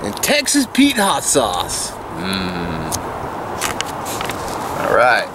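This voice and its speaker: A man's voice: lowish voice, extremely slow, very noisy. Chatty man cooking at a forest campsite. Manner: relaxed, chatty, thinks aloud while cooking. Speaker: camping vlogger. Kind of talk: casual outdoor cooking vlog. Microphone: camera-mounted mic, speaker moving near and away.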